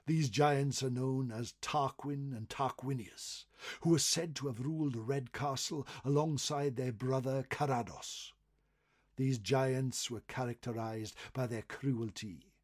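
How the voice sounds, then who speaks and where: A man narrating folklore as a storyteller, expressive and dramatic, swelling on phrases and dropping to hushed endings. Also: medium pitch, measured pace. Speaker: storyteller reading a folklore article.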